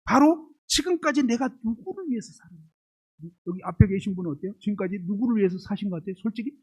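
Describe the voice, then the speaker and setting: Husky-voiced man preaching a sermon. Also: high voice, expressive, fast talker, a little mellow, poor audio. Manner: asks the congregation constant rhetorical questions, emphatic; illustrates with homely examples and acted quotes.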